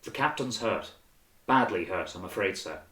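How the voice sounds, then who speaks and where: A man playing a brisk young naval lieutenant in an audiobook, clipped, curt and authoritative. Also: fairly low pitch, expressive, pushed and bright, reverberant, poor audio. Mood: controlled, respectful.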